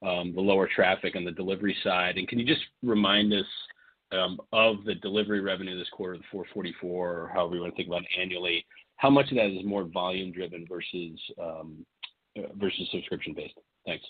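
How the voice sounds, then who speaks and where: A man's voice: sits low, fairly even intonation, quick pace, breathy edge. A man calling in as a financial analyst to ask questions on an earnings call, conversational and hedging. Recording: muffled narrow phone line.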